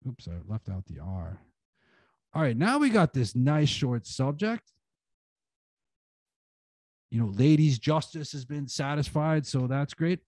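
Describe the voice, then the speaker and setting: A man's voice: mid-range voice, very animated, measured pace, long pauses, a little mellow, dry recording. A man giving a casual talk on writing at an online conference, full of "like" and "you know" fillers, speaking over a video call. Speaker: guest speaker, writing teacher.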